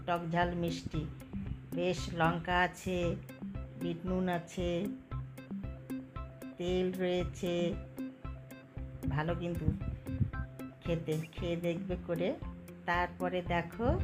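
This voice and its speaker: A woman chatting casually in a home vlog and speaking to viewers as friends. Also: lowish voice. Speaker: vlogger. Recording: background music under the voice. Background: music.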